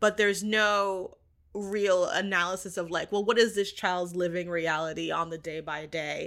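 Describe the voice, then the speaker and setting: Against a silent background in a very clean recording, a woman with an unremarkable speaking voice talks at a moderate pace, medium in pitch with fairly even intonation. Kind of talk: casual interview chat.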